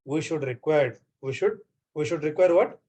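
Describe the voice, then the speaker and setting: Repetitive Indian male trainer, higher voice. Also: moderate pace, warm tone. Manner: repeats phrases often, checks on students. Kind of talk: online class lecture.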